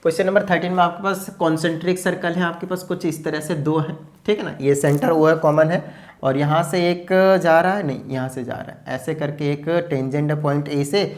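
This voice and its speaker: A man's voice: fairly high pitch, steady tone. A man teaching a maths lesson at speed, often asking the students whether they follow. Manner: fast-talking, asks rhetorical check questions.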